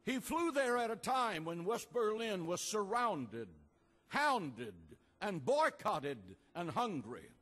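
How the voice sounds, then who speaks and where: Slow, booming older preacher at a rally. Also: male voice, sing-song, big-room sound. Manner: slow, emphatic, repeated refrains, rising to shouts. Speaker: pastor giving a speech. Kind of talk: oratorical rally speech. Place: outdoor rally at an ancient port.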